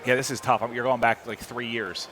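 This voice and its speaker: A male esports commentator chatting casually between matches, quick and chatty, often correcting himself mid-sentence. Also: medium pitch, flat delivery, fairly bright tone. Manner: fast, chatty, self-correcting.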